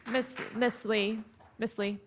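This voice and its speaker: A woman chairing a school board meeting, responding to a speaker in a measured, reassuring way at a dais microphone. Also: fairly high pitch, little pitch movement, noisy background.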